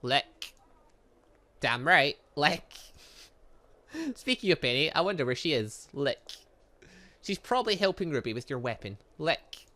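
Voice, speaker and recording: Animated, high-pitched man reading game dialogue. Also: measured pace, long pauses. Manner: stumbles over words and corrects himself; animated, exclaims and reacts playfully. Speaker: gaming video host. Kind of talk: reading visual novel dialogue aloud with casual asides.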